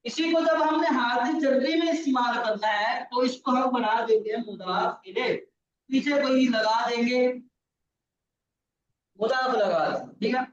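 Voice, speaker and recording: High-voiced male teacher, distant and echoey. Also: measured pace. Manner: patient, repeats key points, checks understanding. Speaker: Arabic grammar teacher. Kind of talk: classroom grammar lesson. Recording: distant, roomy, dull lo-fi sound.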